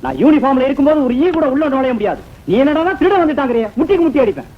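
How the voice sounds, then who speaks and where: A man's voice: extremely high pitch, big pitch swings, racing. An actor playing a male police sub-inspector who blusters and threatens. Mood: blustering. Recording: dull old film soundtrack.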